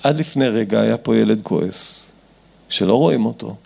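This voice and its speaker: A man's voice: fairly low pitch, animated, vocal fry, darkish tone. A man giving a lecture to an audience about family relationships, talking animatedly and acting out dialogues in different voices.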